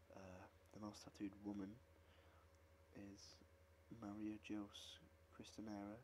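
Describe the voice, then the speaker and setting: A man whispers in a soft-spoken, somewhat breathy way. His tone is relaxed. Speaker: ASMR content creator. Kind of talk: ASMR book reading, casual talk. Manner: whispered, soft-spoken, relaxed.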